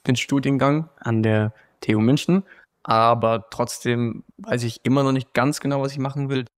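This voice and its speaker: A nineteen-year-old man talking casually in an interview, relaxed and searching for words. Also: mid-range voice, normal speed, no echo, studio quality. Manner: relaxed, searching, many fillers. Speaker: interviewee, new student.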